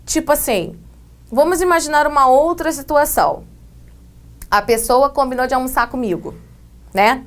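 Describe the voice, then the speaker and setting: In a classroom video lesson, a woman with a high, bright voice and a Brazilian Portuguese accent teaches English grammar to the camera. Her explanations are lively and chatty, sprinkled with playful asides, delivered at a moderate pace with frequent pauses.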